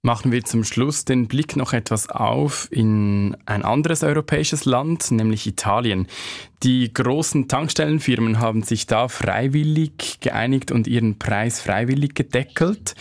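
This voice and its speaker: A man's voice: mid-range voice, unhurried, creaky, dry recording, studio quality. A man asking an interview question on the radio in a matter-of-fact way.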